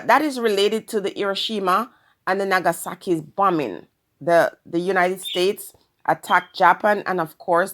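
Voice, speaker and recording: A woman's voice: medium pitch, fairly bright tone. Earnest Jamaican woman hosting her channel. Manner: earnest, measured, speaks of spiritual guidance. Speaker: channel host. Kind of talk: solo commentary to camera.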